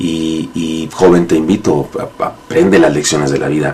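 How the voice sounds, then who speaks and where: Through noticeable background noise and audible room echo, a man speaks at a very deep, low pitch with monotone, flat intonation. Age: 50s. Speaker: pastor. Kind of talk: devotional sermon. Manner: halting.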